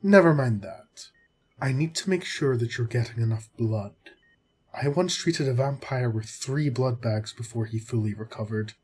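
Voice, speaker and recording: A man acting as a caring, exasperated centuries-old doctor in an audio roleplay, with a husky voice and measured bedside manner. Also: mid-range voice, a little mellow, natural voice. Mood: fussy, proud. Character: long-lived vampire doctor, male, caring yet exasperated. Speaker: voice actor. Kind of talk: audio roleplay drama, spoken to the listener.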